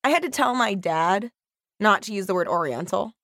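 A woman co-hosting a casual podcast, talking in a loud voice and laughing often as she retells stories. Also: medium pitch, normal speed, no echo, studio quality. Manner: animated, laughs often, acts out quotes. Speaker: podcast co-host. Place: studio, not the usual one. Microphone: studio microphone.

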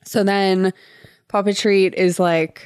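A woman's voice: medium pitch, flat delivery, takes it slowly, darkish tone, smooth, dry recording. A woman co-hosting a podcast, recapping a movie in casual chat with a wry, playful manner. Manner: wry, playful, acts out characters. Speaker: podcast co-host.

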